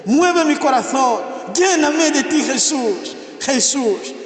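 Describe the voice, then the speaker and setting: The extremely high-pitched voice of a priest, not a native speaker and not a Spanish speaker by birth, moves slowly with lively intonation during a homily at a healing mass. Fervent, repeated invocations climb into exclamations, and the church's long reverb makes everything echo.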